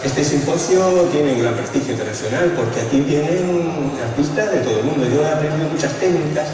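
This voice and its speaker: A man's voice: a little high, expressive, fairly quick, crowd noise. Enthusiastic man, echoey distance. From Uruguay. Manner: enthusiastic, admiring. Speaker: sculptor. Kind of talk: interview answers. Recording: echoey distant recording, long reverb.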